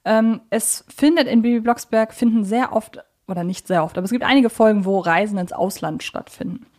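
A woman speaks as a podcast co-host in casual, reflective conversation. Her pitch sits in the middle of the female range. She pauses to find the right word and often rephrases what she has begun. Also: darkish tone. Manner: hesitant, searching for words, self-correcting. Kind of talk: casual analytical podcast chat.

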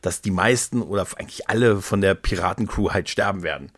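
A man in casual podcast chat, retelling stories in a rambling, animated way as a co-host. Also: low voice, fast, slightly rough, no echo, studio quality. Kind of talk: casual chat, retelling and reviewing audio dramas.

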